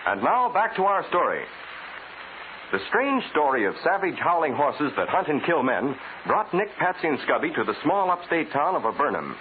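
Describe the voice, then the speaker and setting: Animated 1940s radio announcer, male. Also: fairly high pitch, normal speed, phone-quality sound. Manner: dramatic, polished announcer delivery. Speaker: announcer and narrator. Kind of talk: 1940s radio scripted narration and sponsor ads. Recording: thin, hissy 1940s radio recording.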